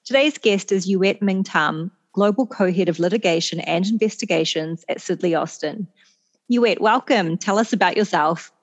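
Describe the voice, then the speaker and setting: A woman's voice: medium pitch, normal speed, highs cut off. A woman hosting an interview podcast, enthusiastic and effusive as she welcomes and questions her guest. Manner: warm, enthusiastic, effusive praise. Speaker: podcast host.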